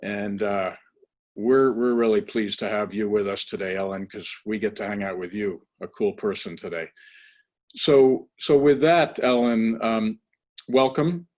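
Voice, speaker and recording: A man hosting an interview who introduces his guest in a halting way, pausing often. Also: fairly low pitch, steady tone, a little mellow. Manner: halting, with many pauses. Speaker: host.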